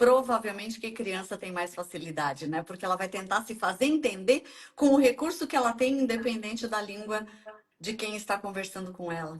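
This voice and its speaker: A woman's plain, everyday voice, fairly high in pitch, with lively intonation, a moderate pace and big swings in loudness. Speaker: radio presenter. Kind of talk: interview. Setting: Instagram live video call.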